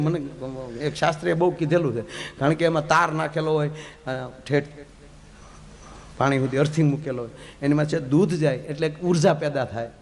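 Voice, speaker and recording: A man telling comic devotional folk stories. He chants, teases the audience and acts out quotes. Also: on the high side. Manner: animated, chanting, teasing the audience. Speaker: folk storyteller and comedian.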